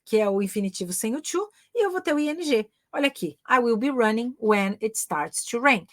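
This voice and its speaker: A Brazilian woman with a fairly high voice teaches English grammar in a live online class. She talks in a chatty, encouraging way, tagging nearly every phrase with a quick check-in to her viewers. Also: lively intonation. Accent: Brazilian Portuguese. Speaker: English teacher and career mentor.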